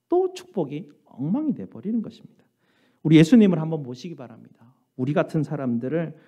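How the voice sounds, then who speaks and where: Lively, dark-toned preaching man. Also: fairly high pitch. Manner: earnest preaching with many rhetorical questions. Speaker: pastor. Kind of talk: sermon. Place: church sanctuary. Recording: dull lo-fi church recording.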